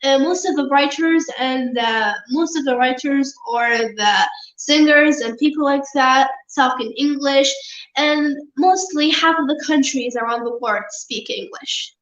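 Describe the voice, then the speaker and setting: A woman's voice: high-pitched, a little slow, fairly bright tone. A girl from Palestine, answering interview questions earnestly, with many fillers and restarts. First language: Arabic. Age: child. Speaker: guest. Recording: roomy, muffled remote audio.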